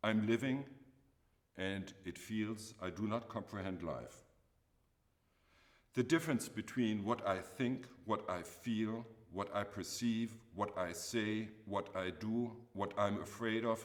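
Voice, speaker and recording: In a non-native accent, a man speaks at a very slow pace with long, frequent pauses and ordinary pitch variation, and audible room echo surrounds his voice. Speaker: arts center director, speaker. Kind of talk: lecture read aloud from text. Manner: slow, measured.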